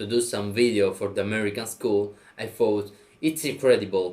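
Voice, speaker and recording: A man with an Italian accent, fairly low in pitch, at a moderate pace. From southern Italy, near Lecce. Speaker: guitarist and music teacher. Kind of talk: tutorial.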